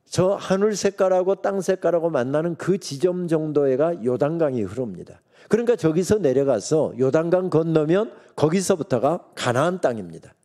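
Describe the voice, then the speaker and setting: Lively, mellow-voiced Korean preacher man. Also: on the high side, normal speed, hardly any pauses. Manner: storytelling preacher who acts out God's and Moses' lines with humor. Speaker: guest pastor preaching at a revival meeting. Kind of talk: sermon. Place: church sanctuary.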